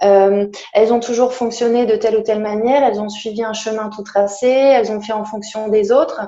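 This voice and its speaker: A woman talks at a moderate pace with a fairly high pitch and monotone, flat intonation while noticeable background noise runs beneath her. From northern France, Lille area. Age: 30s. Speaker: life coach. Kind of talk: podcast interview. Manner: hesitant, many filler sounds.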